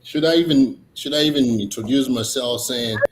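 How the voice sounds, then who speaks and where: A man from Tanzania, a comedian chatting casually as a guest, halting, with many fillers and restarts. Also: mid-range voice. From Tanzania, East Africa. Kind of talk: casual interview chat. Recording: echoey room, faint noise.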